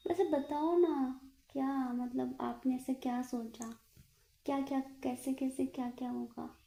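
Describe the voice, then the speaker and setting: A woman's voice: high-pitched, steady tone, measured pace, creaky, warm tone. A young woman chatting casually and coyly on a romantic phone call, teasing and asking repeated questions. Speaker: fiancée on a call. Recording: echoey phone call recording.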